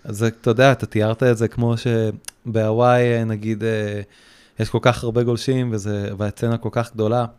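A man in his thirties or forties, a podcast guest, talking casually and haltingly with many restarts. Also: on the low side, flat delivery, a little mellow, clear, resonant tone. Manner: hesitant, many restarts and fillers. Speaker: guest, surfboard repairer.

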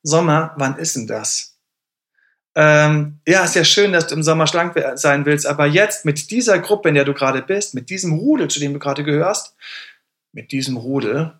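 A man's voice: a little high, normal speed. A man hosting a casual livestream, talking motivation and acting out the voices in his head as he thanks viewers. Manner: animated, thanks viewers for gifts mid-sentence; acts out inner voices in quoted asides. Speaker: livestream host.

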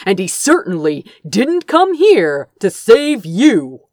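A woman's voice: medium pitch, sing-song, slow, dry recording, studio quality. A woman voicing a smug, impatient royal brother in an audiobook, curt, scoffing and patronizing. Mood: condescending. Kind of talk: dramatic audiobook character dialogue.

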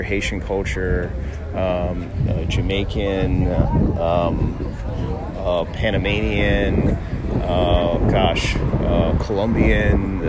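Low-voiced American man, noisy street outdoors. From Miami, United States. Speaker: podcast host, doctor. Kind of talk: casual podcast monologue. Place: outdoors by a busy city street. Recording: outdoor street noise, passing cars. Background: traffic and urban ambience.

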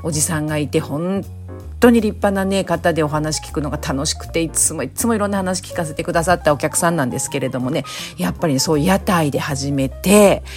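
A woman hosts a snack-bar themed talk show alone, giving a polite, chatty, brisk monologue full of softening particles. Her voice is on the low side and hoarse and raspy from the previous night's drinking, with faint music in the background.

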